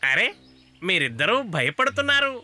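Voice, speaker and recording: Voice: medium pitch, very animated, normal speed, pushed and bright. A performer voicing a boastful, daring child in a cartoon, with a cocky, teasing and dramatic delivery. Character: boastful, daring child who teases frightened friends. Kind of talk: cartoon character dialogue.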